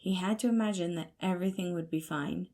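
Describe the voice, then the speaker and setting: A woman's voice: on the low side, fast talker, dark tone. A woman reading scripted fiction as the narrator of an audio story. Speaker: podfic narrator.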